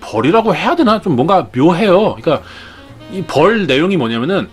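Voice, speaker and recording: A man's voice: high-pitched, big pitch swings, a little fast, faint music behind. A man retelling myths in a chatty, jokey, casual way as a show host. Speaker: storyteller host. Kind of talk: casual storytelling.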